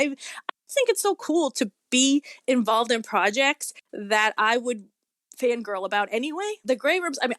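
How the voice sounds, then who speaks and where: Excitable, higher-voiced woman in her forties. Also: no room sound, clean studio sound. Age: 40s. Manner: effusive, exclaiming, excitable. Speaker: guest horror author. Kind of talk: casual interview chat.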